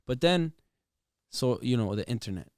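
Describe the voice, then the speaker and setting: A man's voice: medium pitch, lively intonation, measured pace, clear, resonant tone, no echo, studio quality. A man from Toronto chatting casually as an interview guest, switching between Spanish and English. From Toronto, Canada. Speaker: guest music artist. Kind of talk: casual bilingual interview chat.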